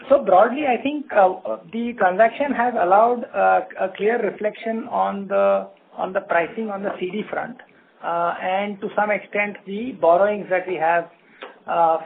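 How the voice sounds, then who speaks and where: A man, a bank executive giving measured, numbers-focused answers on an earnings call. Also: high-pitched, narrow, tinny audio. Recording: telephone conference line.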